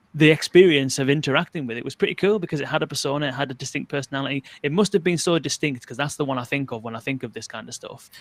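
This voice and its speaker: This man talks very fast in a northern English accent, with hardly any pauses and a fairly high pitch. His loudness swings widely, and the sound is dry and close with no echo. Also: ordinary pitch variation. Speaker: podcast host. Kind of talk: casual interview chat.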